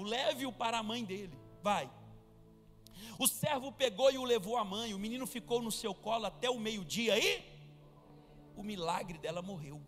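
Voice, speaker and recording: A man's voice: high-pitched, a bit bright. A man, a pastor, preaching a fervent live sermon and calling the church to respond. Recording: reverberant church hall with music.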